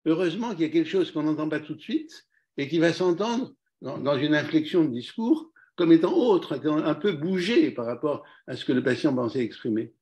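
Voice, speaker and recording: A man with a slightly high voice reflects aloud in an academic discussion. He hedges and often adds short tag questions. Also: animated, a little fast, darkish tone. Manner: reflective, with hedging fillers. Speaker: lecture discussant.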